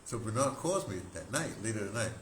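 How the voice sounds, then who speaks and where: Rambling and animated, an older American talk host and radio drama producer spins casual stories with broken, repeated phrases. He talks fairly quickly in a voice on the low side, captured with roomy echo and clear background noise.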